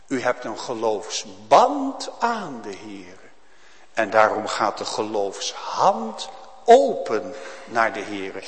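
A man preaches slowly in a church, his voice swinging widely in pitch. The sermon is solemn and rises to loud, emphatic calls. Long reverb trails after each phrase. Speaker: pastor.

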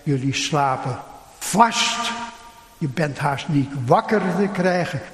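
A man's voice: fairly high pitch, measured pace. A man preaching a sermon in a solemn, rhetorical manner, using questions and repetition. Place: large church, indoors. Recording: echoey church hall, long reverb.

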